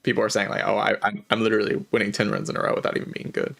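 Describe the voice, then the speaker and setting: A man livestreaming a game and chatting casually, with heavy vocal fry, a low-energy hesitant delivery and a voice strained by a lingering cough. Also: completely flat delivery, rapid-fire, a bit bright. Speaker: game streamer. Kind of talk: casual livestream chat while playing a game.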